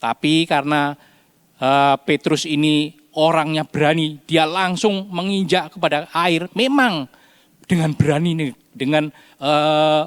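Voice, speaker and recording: A man teaching a children's Bible lesson, telling the story with animated storytelling and acting out the cries. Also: a little high, a little slow, clean tone, no echo. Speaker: Sunday school teacher.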